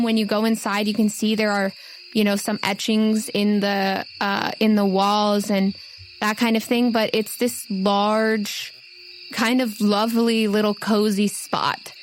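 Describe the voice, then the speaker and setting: A woman's voice: mid-range voice, slight background noise, rough recording. A woman narrating a tabletop role-playing game as its game master.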